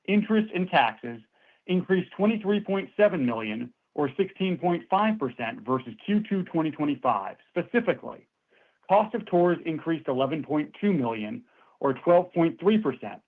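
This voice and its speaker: A man working as a finance executive, reading a scripted financial report in a formal, businesslike way. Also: a little high. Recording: thin, tinny phone-line audio.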